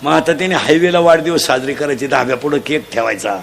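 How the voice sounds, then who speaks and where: A man preaching a humorous devotional sermon, loudly quizzing the children in the crowd and mocking bad habits. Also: mid-range voice, fast talker, creaky, slight background noise. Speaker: kirtan preacher.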